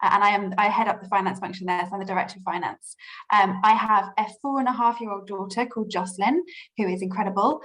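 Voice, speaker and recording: A woman's voice: mid-range voice, fast talker, fairly bright tone, low-quality recording. A heavily pregnant woman in her thirties, a finance director, chatting on a video call while bouncing on an exercise ball. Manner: chatty, laughing, lots of fillers.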